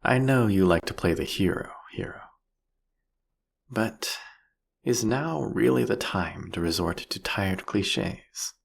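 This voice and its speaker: A man's voice: takes it slowly, full character voice. A man playing a seductive, possessive vampire king in an intimate audio roleplay, with a taunting, menacing, whispery delivery. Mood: mocking menace. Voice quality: husky, breathy, gravelly low voice.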